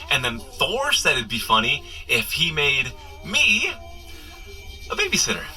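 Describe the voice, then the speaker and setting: A man's voice: on the high side, bright, forceful tone, full character voice. A man playing a flustered, wisecracking superhero who rambles sheepishly as he coaches a runner in a comedic audio drama. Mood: apologetic, joking. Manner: rambling, sheepish, nervously joking asides. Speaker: character guide in an audio running adventure.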